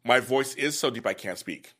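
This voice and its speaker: A man in his late forties hosting a casual chat about a soap opera, chatty and quick to laugh. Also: medium pitch. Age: late 40s. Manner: chatty, laughs often, animated. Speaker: host.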